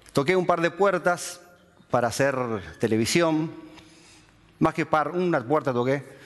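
A man's fairly high voice at a fairly slow pace, with long, frequent pauses, ordinary pitch variation and very even loudness. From Paraguay (Asunción), born in Uruguay. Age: 40s. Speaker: TV chef. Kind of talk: talk to an audience. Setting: stage with audience. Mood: warm, humorous. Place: stage.

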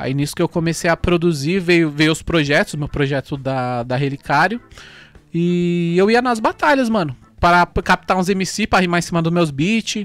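A man with a high voice, ordinary pitch variation and a moderate pace, in a dry sound with no echo and faint music in the background. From Carapicuíba, São Paulo state, Brazil; São Paulo state, Brazil. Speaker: DJ and music producer; DJ. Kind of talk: casual interview. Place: studio. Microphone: studio mic.

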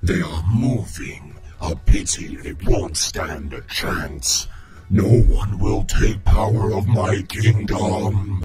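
A man performs a robotic, menacing character voice, fairly low in pitch and delivered at a very slow pace.

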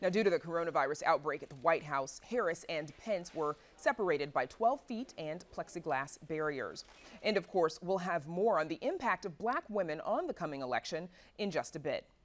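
An unremarkable speaking voice belongs to a woman with a fairly low pitch. She talks at a moderate pace with lively intonation. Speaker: news anchor. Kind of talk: news reading. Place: studio. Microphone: lapel.

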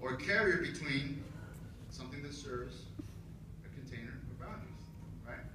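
Through audible room echo and noticeable background noise, a man talks at a moderate pace with lively intonation. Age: 50s. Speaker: commencement speaker, former biochemist and radio DJ; speaker, radio DJ. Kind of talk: graduation speech. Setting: stage with audience. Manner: animated. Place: hall.

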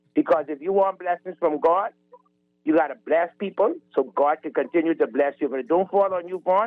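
A man with a Bahamian accent talks at a fairly quick pace in a high, animated voice with ordinary pitch variation. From Bahamas. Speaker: caller. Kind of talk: call-in opinion. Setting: phone call.

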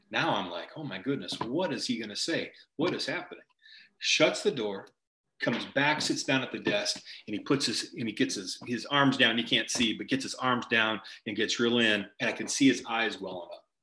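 Bright and sharp in tone, a man speaks at a moderate pace with lively intonation, amid light background noise and audible room echo. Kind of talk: event hosting with prayer. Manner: animated; repeats words often. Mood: earnest, emotional at times. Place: home room. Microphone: video call.

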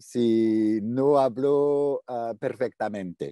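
A very slow pace in a non-native accent, with a dry sound, no echo and a quiet background. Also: man. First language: not Spanish (speaking Spanish). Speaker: voice actor and director; voice actor. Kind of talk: interview. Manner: halting. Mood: warm, apologetic, smiling. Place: home room. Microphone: earbuds.

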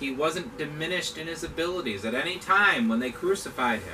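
A man speaks over noticeable background noise. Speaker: pastor. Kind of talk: sermon. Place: church. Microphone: camera far.

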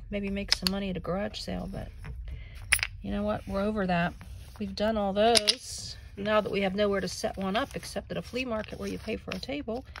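A woman talks at a fairly quick pace, her voice dry with no echo, over loud background noise. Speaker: vlogger sorting belongings. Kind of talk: casual vlog chat. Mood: reflective, mildly wry. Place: garage. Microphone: phone near.

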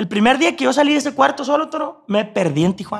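A man with a Sinaloan accent, extremely high pitch and lively intonation, against a quiet background. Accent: Sinaloan Mexican Spanish. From Sinaloa, Mexico (rural). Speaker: regional Mexican singer; podcast guest. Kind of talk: casual interview storytelling. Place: home room. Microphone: studio mic.

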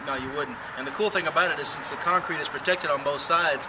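A man rushes along at a very fast pace against loud background noise. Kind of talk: interview answer. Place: street. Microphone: camera far.

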